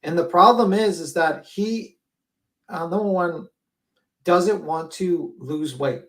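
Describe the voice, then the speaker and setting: A woman's voice: on the low side, takes it slowly. A woman co-hosting a reaction stream, talking casually with blunt, sarcastic remarks and plenty of swearing. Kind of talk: casual chat.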